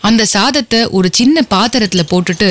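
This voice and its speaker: A woman narrating a radio drama with expressive storytelling. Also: fairly high pitch, a little fast, slight background noise.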